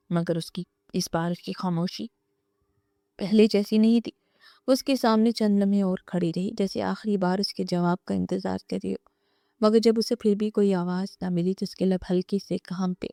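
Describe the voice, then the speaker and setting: Woman narrator, mellow and dry, steady novel reading, close mic. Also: medium pitch, dry recording.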